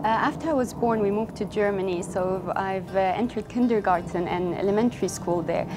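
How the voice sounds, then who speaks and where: A woman's voice: medium pitch, a little fast, background noise. A young adult woman from the United Arab Emirates, speaking earnestly and reflectively about her life in an interview monologue. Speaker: fashion brand founder.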